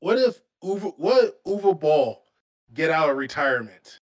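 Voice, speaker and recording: Excitable high-voiced man in his thirties. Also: a little slow. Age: 30s. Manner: excitable, exclaims often. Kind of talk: casual group chat.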